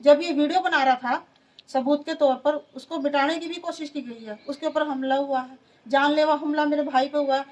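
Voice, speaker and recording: A woman giving a long account to a reporter, pausing on hesitant fillers as she recounts. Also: high voice, steady tone, a little mellow, rough recording. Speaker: interviewee, a journalist's wife. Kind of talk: emotional testimony to a reporter.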